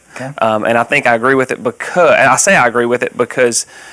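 In a dry, close recording with no echo, a man with a Southern US accent talks at a very fast pace, his medium-pitched voice keeping a fairly even intonation. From Louisiana. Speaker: campus ministry director. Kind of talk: casual interview.

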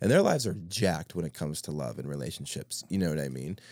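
A man at a very fast pace, lively intonation and vocal fry throughout, in a very clean recording against a silent background. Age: 20s. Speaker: podcast guest. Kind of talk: casual chat.

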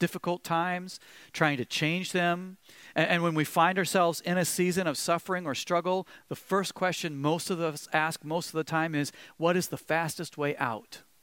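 Recorded very cleanly against a silent background, with a dry, close sound and no echo, a man talks at a moderate pace in a fairly high pitch with ordinary pitch variation. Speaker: pastor. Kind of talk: sermon. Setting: church. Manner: loud.

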